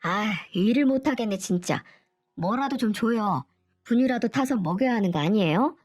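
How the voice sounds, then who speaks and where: A woman's voice: mid-range voice, lively intonation, normal speed, a little mellow, faint music behind, close to an everyday voice. A woman voicing a rude, irritable grown son who talks in an impatient, whiny snap. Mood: irritated.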